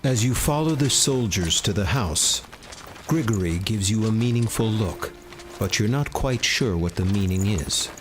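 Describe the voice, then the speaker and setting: A man reading a tabletop game's story text aloud as narrator, steady and measured. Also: on the low side, a little hiss or hum. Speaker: game narrator.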